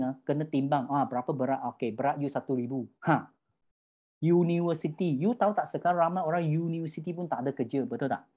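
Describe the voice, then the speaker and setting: Emphatic woman, mellow voice. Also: on the low side. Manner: emphatic, rhetorical questions, code-switching. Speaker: business mentor. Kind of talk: motivational talk.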